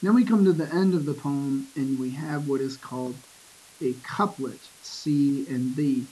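A man teaching a poetry lesson in a relaxed, casual way, with lots of ums and restarts, reading verse lines slowly. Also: medium pitch, breathy edge, rough recording. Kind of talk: casual screen-recorded lesson.

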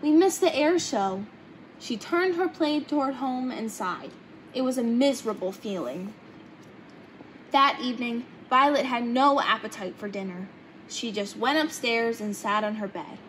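High-pitched young woman reading a storybook. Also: normal speed, a bit bright, slight background noise, poor audio. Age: young adult. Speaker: storybook reader. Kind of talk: reading a children's picture book aloud. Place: indoor hangar-like museum room, seated in open cockpit.

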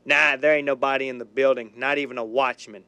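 An actor playing a brutal, bossy gangster thug who barks slang in a gravelly voice, in 1930s radio style. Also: male voice, medium pitch, fairly even intonation, fast talker, pushed and bright, no echo, lightly acted.

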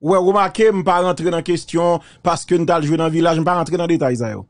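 A man gives measured, reflective commentary, mixing French and Creole. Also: fairly high pitch, no echo.

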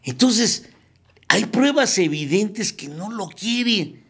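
A man giving a spiritual recovery talk, telling it as a lively story and repeating phrases for emphasis. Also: high-pitched, takes it slowly, husky. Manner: lively storyteller who acts out the quotes he tells. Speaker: speaker at a recovery group meeting.

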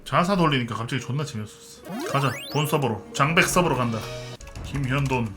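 A man's voice: mid-range voice, brisk, over music. A man in his thirties casually commentating a martial-arts online game as he plays, chatty and talking to himself. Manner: chatty, muttering to himself, bursts into mock-archaic martial-arts role-play. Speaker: game streamer.

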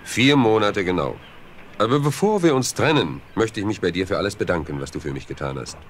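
An actor playing a mysterious count, also disguised as a priest, who speaks in a measured, polite and controlled way in a radio play. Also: male voice, sits low, lively intonation, slight background noise. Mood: warm, guarded.

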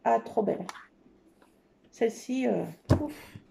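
A scrapbooking crafter shows off craft paper in a casual show-and-tell, sounding enthusiastic and using many fillers while repeating "trop beau." Her voice is a little high, slow and creaky, over a noisy background.

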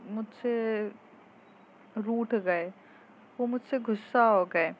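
A woman voicing a young woman, an upset daughter who talks in a hesitant, halting way. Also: a little high. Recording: muffled lo-fi with faint noise.

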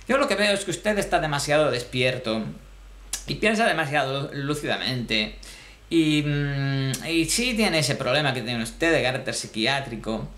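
A man's voice: mid-range voice, expressive, a little slow, a bit bright. A man playing a smug male psychiatrist who hands out pills, talking down to his patient in a rambling, condescending way. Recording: roomy echo.

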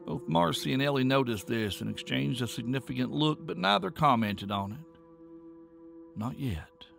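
A man narrates a dark country tale in a slow, measured, folksy manner. His voice is gravelly and mid-pitched. Faint music plays underneath. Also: expressive. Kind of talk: scripted horror storytelling podcast narration.

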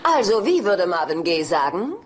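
Wry psychiatrist, lively pitch. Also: female voice, moderate pace. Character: unflappable, wryly sarcastic female psychiatrist. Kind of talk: dubbed sitcom dialogue. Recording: noisy TV soundtrack rip.

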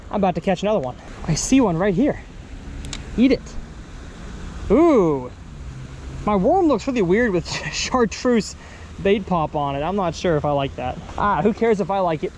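A man's voice: sits high, sing-song, normal speed, pauses often, a little mellow. A man, chatting casually through a fishing vlog by an outdoor pond. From Texas. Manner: upbeat, chatty, thinking aloud while fishing. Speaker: fishing vlogger. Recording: outdoor recording with faint ambient noise.

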